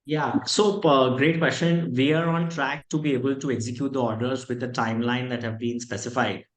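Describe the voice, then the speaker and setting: An Indian-accented man speaks as a company executive fielding questions on a call. His voice sits at a middle pitch and he explains things in a measured way. The room around him is noticeably echoey. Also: fairly even intonation. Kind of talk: conference call question and answer.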